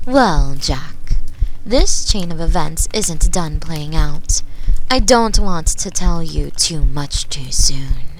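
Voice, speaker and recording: A woman voicing a mysterious, polite and knowing computer messenger in a story, cryptic and calmly controlling. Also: deep voice, slight background noise, exaggerated voice, poor audio.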